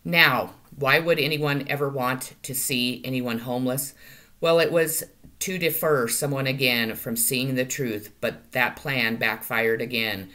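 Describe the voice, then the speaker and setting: A woman's voice: extremely low pitch, unhurried, bright, forceful tone. A middle-aged woman speaking to camera in a monologue, occasionally stumbling and correcting herself, recorded on a webcam in a small room at home. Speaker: vlogger. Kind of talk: monologue to camera, delivering claimed channeled messages.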